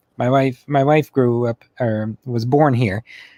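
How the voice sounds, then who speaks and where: A man with a US Midwestern accent, medium in pitch, his intonation fairly even. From Indiana, US Midwest. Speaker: farmer and YouTuber. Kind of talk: casual interview chat. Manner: rambling, halting.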